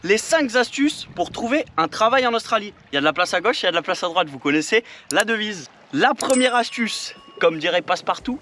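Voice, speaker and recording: A man's voice: high-pitched, sharp tone, slight background noise. A man giving upbeat, jokey tips in a casual vlog, talking to viewers as friends. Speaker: vlogger giving job tips.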